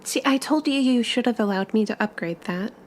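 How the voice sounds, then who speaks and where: A woman's voice: fairly high pitch, a little fast, close to an everyday voice. A woman playing an earnest, well-mannered girl in a tabletop game, speaking in a hesitant, courteous way. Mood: fond, concerned. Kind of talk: tabletop roleplay.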